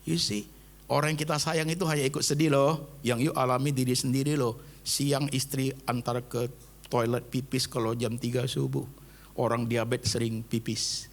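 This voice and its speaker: Middle-aged man as pastor, gravelly voice, fervent sermon delivery with loud emphatic bursts and hushed prayerful passages. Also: mid-range voice, little pitch movement, moderate pace. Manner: fervent preaching, mixes English words into Indonesian; swings from loud emphatic peaks to soft prayerful tones.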